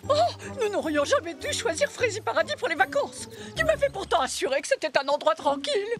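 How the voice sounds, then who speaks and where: Cartoon insect tourist, frightened, fussy, very high, wildly swooping, stammering, dramatic. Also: female voice, very animated, fairly quick. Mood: panicked. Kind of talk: animated children's cartoon dub. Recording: background music under the dialogue.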